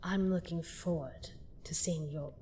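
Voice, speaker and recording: A woman's voice: deep voice, steady tone, unhurried, heavy background noise. A woman playing a seductive, gloating vampire queen in a fantasy audio drama, theatrical and mock-sweet as she menacingly toys with her captive. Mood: soft threat. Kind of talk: scripted roleplay audio drama monologue.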